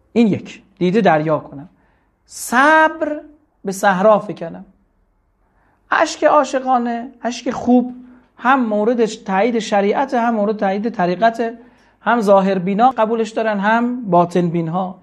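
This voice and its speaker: High-voiced man lecturing on poetry. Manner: recites verses slowly, then asks and answers his own questions; colloquial, explanatory teaching tone. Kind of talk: lecture explaining classical verse.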